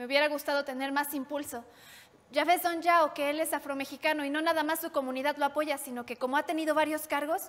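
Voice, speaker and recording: The speech moves at a very fast pace in a monotone, flat intonation. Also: woman. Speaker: stage actor. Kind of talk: theatrical monologue. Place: stage.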